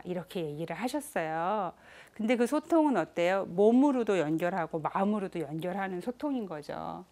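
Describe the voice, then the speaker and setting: A middle-aged woman giving a lecture on nonviolent communication, asking the audience questions and acting out quoted family members with sudden jumps in pitch.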